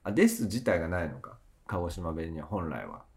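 A man co-hosting a podcast as a house planner, talking in a relaxed, easygoing way, often laughing and asking questions. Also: sits low, fairly quick, creaky. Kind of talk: relaxed casual chat.

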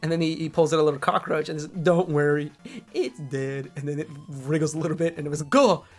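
A man's voice: fairly high pitch, level tone, rapid-fire, faint music behind. A man co-hosting a podcast in casual chat, recapping a cartoon episode, laughing often and acting out quoted lines. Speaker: podcast co-host.

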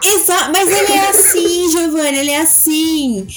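A Brazilian woman tells stories in a breezy podcast chat, often restarting her sentences as she goes. Her voice sits high for a woman. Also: very noisy. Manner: chatty storyteller, quick restarts. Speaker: podcast co-host.

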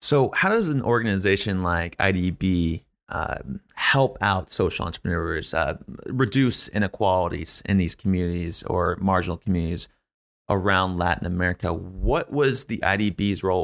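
A man hosting a podcast interview, introducing his guest with an energetic countdown and asking questions. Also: sits low, normal speed. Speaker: podcast host.

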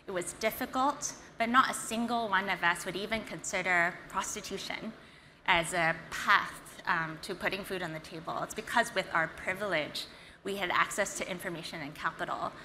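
A woman from Singapore, a founder giving an earnest, energetic conference talk. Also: on the low side, slight background noise. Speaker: startup founder and CEO. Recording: reverberant hall, faint ambience.

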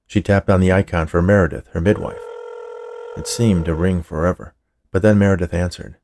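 A man's voice: low voice, fairly even intonation, fairly quick, a little mellow, slight background noise. A man hosting his fiction podcast, reading scripted introductions and stories in an audiobook style. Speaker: podcast host, writer and narrator.

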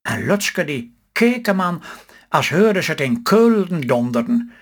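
An older man with a Stellingwerfs accent reading his own story aloud in a calm, measured way. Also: a little high. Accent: Stellingwerfs Low Saxon.

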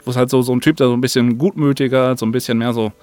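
A male interview guest talks casually and explains his creative work. His pitch is average and the recording is very dry. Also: steady tone, racing, darkish tone, no room sound. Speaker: interview guest, audio drama writer.

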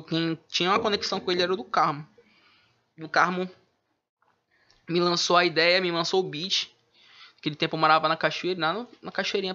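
A man chats as a rapper guest in laid-back street slang. His voice is bright and forceful. The recording sounds dull and lo-fi. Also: high voice. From Manaus, Brazil. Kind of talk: casual interview chat. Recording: dull lo-fi audio.

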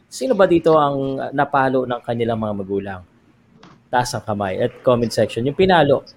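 A man's voice: mid-range voice, animated, normal speed. A man hosting a casual talk show, joking and inviting the audience to comment. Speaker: podcast host. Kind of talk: casual chat.

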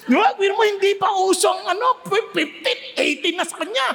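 A man with a Filipino accent preaching a sermon, animated and joking with the congregation as he moves between Tagalog and English. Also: very high-pitched, normal speed, creaky. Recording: long hall reverb.

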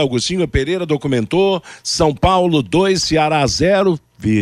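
A man's voice: on the high side, dry recording, clean studio sound. A man with a Brazilian accent hosting a sports radio programme in a scripted announcer's style. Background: faint music.

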